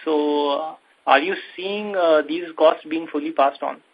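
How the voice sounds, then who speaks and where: A man's voice: fairly high pitch, unhurried, a crowd in the background. A man with an Indian accent politely putting questions as a financial analyst on an earnings call. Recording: dull, muffled phone line.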